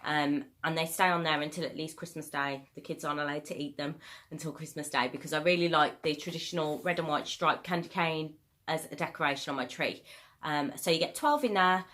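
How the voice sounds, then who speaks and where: A woman, a bit croaky from a cold, chatting casually through a shopping haul video with frequent ums. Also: low voice, fairly quick, fairly bright tone. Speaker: YouTuber.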